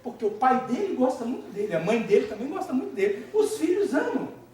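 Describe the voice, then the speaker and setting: A man giving a religious lecture, animated, constantly questioning the audience in a hall. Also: very high-pitched, fairly quick, a little hiss or hum. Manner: animated, keeps quizzing the audience. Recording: echoey hall, speaker far from mic.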